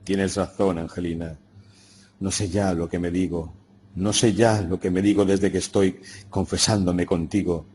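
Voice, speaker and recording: A man's voice: sits low, fairly even intonation, measured pace, darkish tone, a little hiss or hum. A man reading as a weary, sorrowful old priest. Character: anguished elderly village priest, gentle and weary. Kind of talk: audiobook reading.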